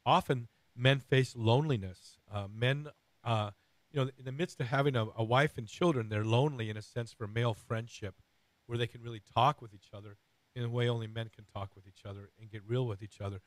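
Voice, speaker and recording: Hoarse, raspy middle-aged male radio host. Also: medium pitch, steady tone, fairly quick, dry recording, poor audio. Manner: earnest, rambling with many fillers and restarts.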